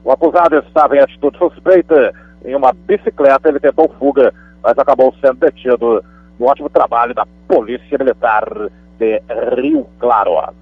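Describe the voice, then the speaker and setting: A man with a Brazilian Portuguese accent delivers the police bulletin on a thin, phone-like line that sounds close and dry. His voice is a bit husky, and his reporting is chatty and emphatic. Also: mid-range voice, moderate pace, no echo. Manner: conversational, emphatic asides.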